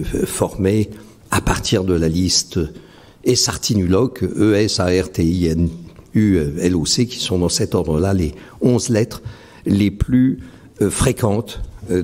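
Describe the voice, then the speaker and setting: Husky guy with a mellow dark voice, slow, reading his poem out loud at a live event, lots of pitch swing. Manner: halting and searching in the explanation, rhythmic and emphatic when reading verse. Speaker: poet reading his own work. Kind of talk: live public reading with spoken introduction. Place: library event before a live audience.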